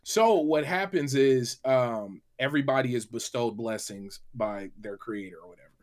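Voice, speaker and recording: A man on a gaming livestream panel giving recommendations in casual, slangy talk, halting and doubling back on himself. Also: medium pitch.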